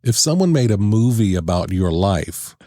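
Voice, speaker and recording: A man hosting a podcast, playful and chatty, laughing often as he runs a quick question round. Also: on the low side, very animated, over loud music. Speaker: podcast host. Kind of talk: casual interview chat. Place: podcast studio.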